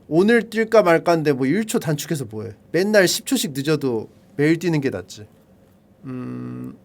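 Casual streamer, male, 30s; wry grumbling running commentary, very lively pitch. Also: gravelly. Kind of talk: casual live-stream chat.

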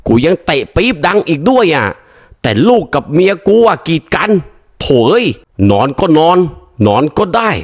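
A man's voice: high-pitched, very animated, moderate pace. A man voicing a stubborn, sulky older village husband who grumbles in coarse speech. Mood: grumbling.

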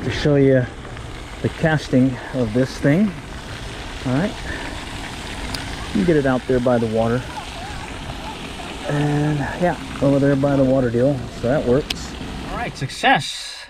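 A man's voice: mid-range voice, a little slow, long pauses, background noise. A man casually narrating his fishing trip from a pond pier, chuckling as he explains his gear and catches. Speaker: fishing vlogger. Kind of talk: casual fishing vlog commentary. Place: outdoors at a park pond on a pier. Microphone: action camera.

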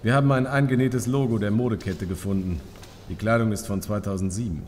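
Forensics role: man as sober, deep-ish male investigator, audio drama, echoing hall. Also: fairly even intonation, brisk, a little mellow, a little hiss or hum, natural voice. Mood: matter-of-fact. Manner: sober, reporting. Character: dry, matter-of-fact male crime scene investigator. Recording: reverberant hall, music underneath.

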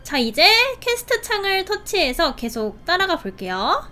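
Bright, giggly young woman gaming. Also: very high voice, moderate pace. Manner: excitable, giggly, gushing exclamations. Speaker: game channel host. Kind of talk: casual game play commentary. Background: game music.

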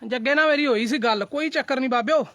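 Speaking quickly in an extremely high, somewhat bright voice, a man defiantly rants to viewers he calls brothers during a casual livestream. He repeats himself and shrugs off threats, and the studio-quality audio has no echo.

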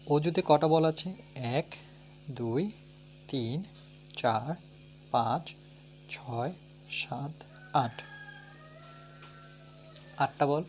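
A man with a Bengali accent teaches a math lesson at a middle pitch. He walks through each step, counting slowly aloud and spelling words out letter by letter. A faint hiss and hum sit under his voice. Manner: talks through steps, asking and answering his own questions.

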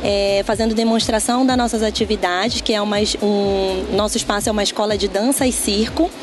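A woman's voice: medium pitch, steady tone, brisk, noisy background. A young woman with a Brazilian Portuguese accent representing a dance and circus school, speaking outdoors into a handheld mic, hesitant with many restarts. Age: young adult. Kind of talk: interview answer. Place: outdoors at an arena. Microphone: handheld microphone. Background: music.

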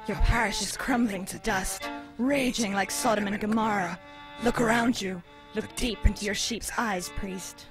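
A woman's voice: medium pitch, normal speed, natural voice. Casting: woman to play menacing female death spirit, accusing, declamatory, radio drama, prominent music underneath. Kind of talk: audio drama acting.

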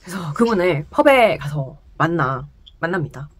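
A young woman telling a personal story to the camera in casual chat, animated and laughing often, in a small indoor room. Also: sits low, moderate pace, a little hiss or hum. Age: young adult. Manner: animated, laughs often, gestures while talking. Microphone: camera close in front, sitting.

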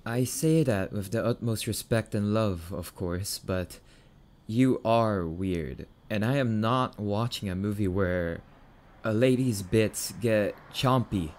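A man's voice: lowish voice, slow pace, a little mellow. A man playing a grumpy, affectionate, easily spooked young catboy boyfriend in an ASMR roleplay, defensive and prone to stammering. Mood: appalled, wary.

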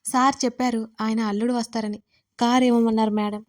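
A woman's voice: on the high side, flat delivery, fairly quick, darkish tone, natural voice. A woman voicing a humble, polite male driver in an audio story, speaking deferentially.

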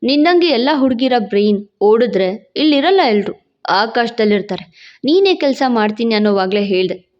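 A woman's voice: mid-range voice, a little mellow, lo-fi sound, pitched below the performer's own voice, lightly acted. A woman voicing an arrogant young husband who talks in a sarcastic, cutting way.

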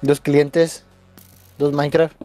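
A man's voice: fairly high pitch, level tone, slow, dark tone, faint music behind. A man chatting casually during a game session, teasing and joking with his friend. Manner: joking, teasing, playful banter. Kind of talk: casual gaming chat with a friend.

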